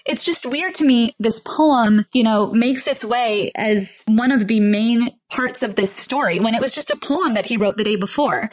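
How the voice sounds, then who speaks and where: A woman's voice: a little high, normal speed, hardly any pauses. A woman narrating a true crime story in a casual, conversational way, speculating aloud about what happened.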